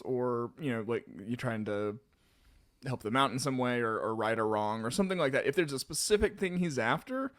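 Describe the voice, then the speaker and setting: Slightly higher-voiced casual male co-host. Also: no echo, studio quality. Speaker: podcast co-host. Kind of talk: casual podcast banter and discussion.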